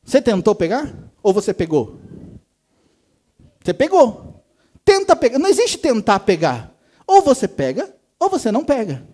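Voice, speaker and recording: A man preaches at a church service in a relaxed, chatty way. His pitch rises and falls widely as he acts out the people he quotes. His voice has a mellow, warm timbre. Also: moderate pace, pauses often. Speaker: pastor. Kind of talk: sermon.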